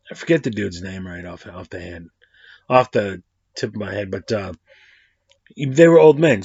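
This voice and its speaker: A man's voice: on the low side, slightly rough, dry recording. Rambling, slangy man reviewing a movie. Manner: rambling, slangy, self-correcting. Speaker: host of a movie review channel. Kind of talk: casual movie review vlog. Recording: dry, slightly dull lo-fi audio.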